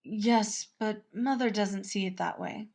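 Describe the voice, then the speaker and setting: Woman playing young male prince, creaky voice, dramatic, sulky, conflicted, proud, fantasy audiobook dialogue. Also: medium pitch, fairly even intonation, measured pace, darkish tone. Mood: worried. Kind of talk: acted dialogue in fan-fiction audiobook.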